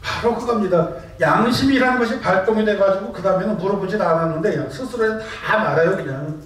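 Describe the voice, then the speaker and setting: A male pastor with a high voice preaches a sermon, tossing rhetorical questions to his congregation and telling stories animatedly. He is heard from a distance, his words ringing around a big, echoey church sanctuary. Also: fast, fairly bright tone.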